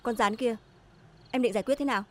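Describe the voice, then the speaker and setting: An actress voicing a stern elder sister-in-law who lectures in a reproachful way. Her voice is high and her delivery fast. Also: a little mellow, close to an everyday voice.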